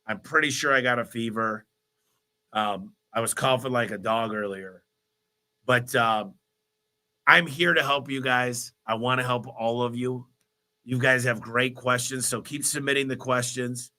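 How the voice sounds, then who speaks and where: A man hosting a live business Q&A, talking in an energetic, motivational, rambling way while congested with a cold. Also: medium pitch, a little slow. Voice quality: stuffy, nasal. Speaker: host of a business Q&A livestream. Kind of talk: live Q&A answering viewer questions.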